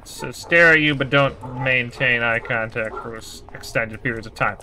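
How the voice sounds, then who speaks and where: A man's voice: medium pitch, moderate pace, pushed and bright, a little hiss or hum. A man giving casual, uneasy commentary as he streams a horror game, swearing and muttering taunts at the monster.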